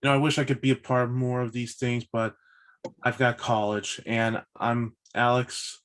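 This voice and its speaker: A man in his thirties with an average-pitched voice talks casually over a video call. He speaks haltingly, circling back and repeating phrases as he makes his point. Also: flat delivery, a bit bright. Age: 30s. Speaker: participant in a virtual table read. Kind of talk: casual chat before a script read.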